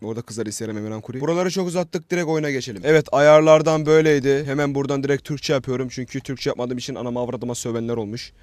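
A man's voice: mid-range voice, fairly even intonation, very fast, hardly any pauses, a little mellow, no room sound. A young man casually commenting while playing a horror game, rambling, swearing and joking at himself. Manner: rambling, swears freely, self-mocking jokes. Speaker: gaming YouTuber. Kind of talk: casual let's-play commentary.

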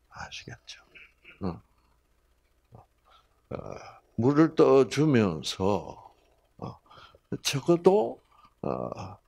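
A man's voice: mid-range voice, a little mellow. A middle-aged man from the region, giving a folksy health lecture with many hesitant fillers and homely humor. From Gyeongsang region, South Korea.

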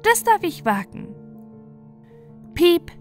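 A high-pitched, cheeky little sparrow from a fairy tale, acted by a woman reader. It is bold and opinionated, exclaiming in chirps over background music. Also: big pitch swings, slow pace, full character voice. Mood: bold, excited.

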